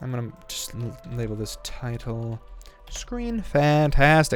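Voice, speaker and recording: An animated voice with very wide pitch swings over music in the background. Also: man. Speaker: YouTuber and Scratch game developer. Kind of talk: code-along commentary. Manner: casual, animated.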